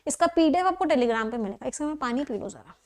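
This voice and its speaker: High-voiced woman teaching grammar. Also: expressive, a little fast, a little mellow. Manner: explains step by step, repeats key points, asks the class questions. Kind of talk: classroom grammar lesson.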